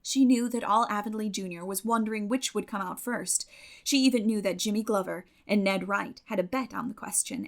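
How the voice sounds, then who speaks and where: A woman audiobook narrator reading literary fiction expressively, with measured storytelling phrasing. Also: mid-range voice, vocal fry.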